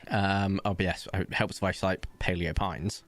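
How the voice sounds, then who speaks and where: A man's voice: low-pitched, steady tone, normal speed, a bit bright, no echo, soft background music. A man hosting a casual let's-play, chatty and upbeat, rambling and laughing often at his PC desk mic. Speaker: gaming channel host.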